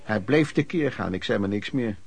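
Performing in a Dutch radio play, an actor voices a wry, plain-spoken pedlar narrating his own wanderings in the first person, in a colloquial, matter-of-fact way. His lowish voice has lively intonation, vocal fry, and a slightly rough, somewhat mellow quality, at a moderate pace and heavily acted.

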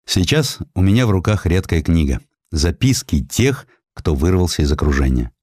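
Deep male narrator reading history, measured n dramatic, deliberate pauses, very dry recording. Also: sing-song, a little mellow, no room sound. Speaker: audiobook narrator.

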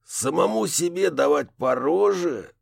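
A man voicing the ghost of a gruff male witch-hunter in an audiobook, with a hoarse, barking, mocking delivery. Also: a little high, expressive, unhurried, no room sound, voice pushed up, full character voice. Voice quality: hoarse, gravelly. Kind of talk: audiobook character voice.

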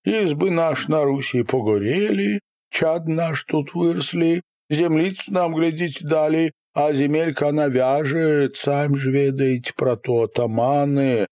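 A man's voice: a little high, measured pace, a little mellow, dry recording, pitched above the performer's own voice, lightly acted. A man playing a beseeching old bearded villager. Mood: pleading. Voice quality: rounds his o's in a rustic way. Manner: bowing, beseeching, archaic rustic speech.

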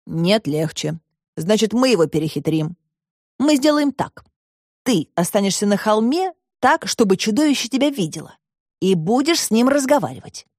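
Lady reading as a cocky little boy hero, brash and excitable, storybook, dry close sound. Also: medium pitch, normal speed, dry recording, voice pushed up. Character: boastful, hot-headed young boy adventurer.

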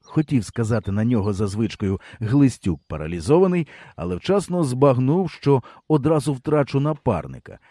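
A man narrating an audiobook in a lively storytelling manner. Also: medium pitch, normal speed, hardly any pauses, dry recording, clean studio sound.

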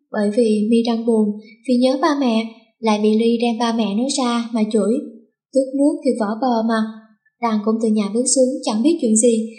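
A woman narrating a story aloud, switching between calm narration and sharp quarrelling dialogue. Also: fairly high pitch. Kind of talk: storytelling narration with character voices.

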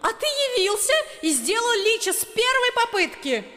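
Man putting on a shrill, fiery young woman. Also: moderate pace, big-room sound. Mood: furious. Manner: shrill, shouting, taunting.

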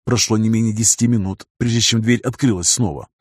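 A man narrating a first-person audiobook in a steady, even storytelling manner. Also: on the low side, fast talker, dry recording, clean studio sound.

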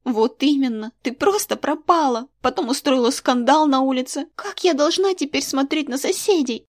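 A woman's voice: sits high, animated, moderate pace, voice pushed up. A woman voicing an angry, resentful schoolgirl who speaks coldly and accusingly. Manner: sharp, scornful, raised voice.

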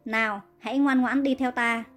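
A woman's voice: a little high, fairly even intonation, normal speed, faint music behind, close to an everyday voice. A woman reading the part of a cold, commanding young male prince in a narrated story.

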